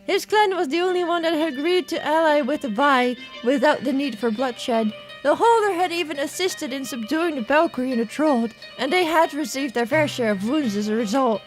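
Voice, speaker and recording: Woman reading as a prim high-voiced young gentlewoman. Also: faint music behind, close to an everyday voice, poor audio. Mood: earnest storytelling. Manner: formal, measured, storytelling. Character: prim, long-suffering young gentlewoman recounting her ordeal.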